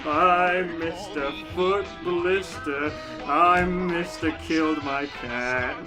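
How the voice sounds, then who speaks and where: A performer singing as a boastful, brutish big man in a parody villain song, in a drawn-out rhyming sing-song. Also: mid-range voice, loud music behind the voice. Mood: boastful, theatrical.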